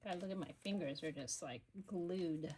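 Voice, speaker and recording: A woman hosting a craft video, talking quietly and murmuring to herself as she works, a little sniffly. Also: fairly low pitch, normal speed, slight background noise. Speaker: craft channel host. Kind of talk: casual craft-along chat.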